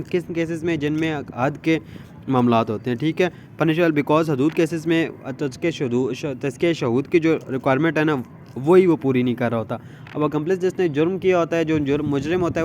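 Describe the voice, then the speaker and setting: A man with a Pakistani accent teaches in an informal lecture style, reading out notes and then explaining them. His voice sits a little high for a man. There is some background noise on the recording, like outdoor traffic. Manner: switches between Urdu and English, repeats check phrases. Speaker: law lecturer.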